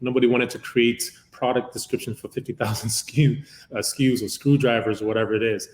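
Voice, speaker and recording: A man's voice: medium pitch, level tone, quick pace, roomy sound, slight background noise. A man in his fifties from Uganda, a company founder giving a long, rambling interview answer full of "uh" fillers. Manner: long-winded, many "uh" fillers.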